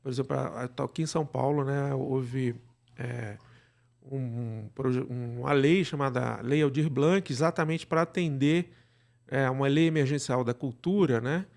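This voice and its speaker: A Brazilian man speaking as an interview guest, explaining things casually and haltingly, often checking that he is followed. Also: medium pitch, vocal fry, a little mellow. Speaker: podcast guest, radio drama producer.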